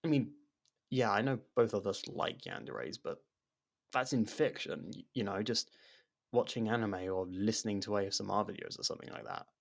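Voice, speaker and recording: A man's voice: on the low side, normal speed, creaky. A man acting a nervous, awkward, secretly obsessive young lover in an intimate ASMR roleplay, stammering and backtracking as he talks. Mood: awkward, probing. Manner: stammering, hesitant, self-conscious, backtracking. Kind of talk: ASMR roleplay, intimate one-sided dialogue.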